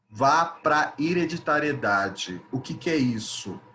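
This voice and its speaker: With audible room echo, a man with a fairly high pitch talks at a very slow pace, his tone bright and sharp and his intonation lively. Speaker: therapy teacher. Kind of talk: lecture. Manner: animated.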